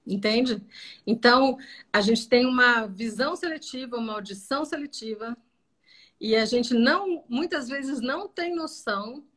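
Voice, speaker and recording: A woman's voice: a little high, fairly bright tone. A Brazilian woman therapist giving a didactic, conversational talk to camera about marriage, acting out sample dialogues as she explains. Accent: Brazilian Portuguese.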